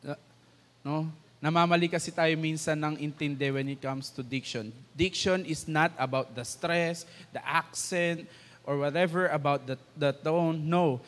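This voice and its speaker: A man's voice: a little high, steady tone, a little slow, a bit bright. A man with a Filipino accent giving a conversational church teaching, mixing English into his talk and acting out quoted lines. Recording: church hall with long reverb.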